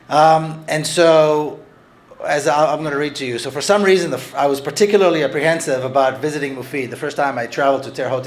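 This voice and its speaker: A man talking earnestly about his book, often restarting his phrases. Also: medium pitch. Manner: earnest, halting with frequent restarts. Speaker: author discussing his book. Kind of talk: conversational talk with read-aloud passages.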